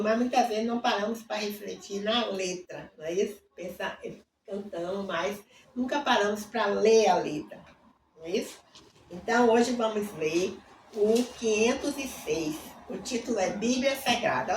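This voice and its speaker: A woman's voice: medium pitch, a little hiss or hum. A woman leads a devotional reading, reciting hymn lyrics with fervent asides and then praying. Her voice sits in a middle range. It carries the echo of a room and sounds set back from the microphone. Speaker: Bible reading host. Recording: roomy, distant mic with faint ambience.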